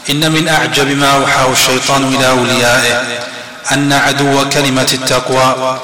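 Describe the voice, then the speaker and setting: Bright flat-voiced man reading in an echoey hall. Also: medium pitch. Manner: measured, formal recitation. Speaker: student reading the text aloud. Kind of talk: formal reading of a religious text.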